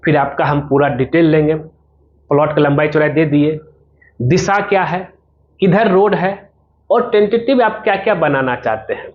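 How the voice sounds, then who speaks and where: A man's voice: fairly high pitch, moderate pace, narrow, tinny audio. A man giving an informal promotional explainer as a civil engineer, talking the viewer through his service step by step and directly.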